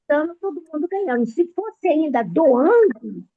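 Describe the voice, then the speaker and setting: A woman with a fairly high voice speaks in a Bible study group, halting and searching for her words. The sound is dry and close. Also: big pitch swings, no room sound, narrow, tinny audio. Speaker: church member asking a question.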